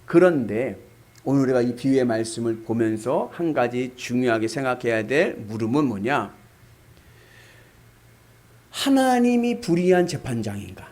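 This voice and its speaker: A man's voice: medium pitch, animated, moderate pace, darkish tone. A man preaching a sermon as pastor, asking the congregation rhetorical questions.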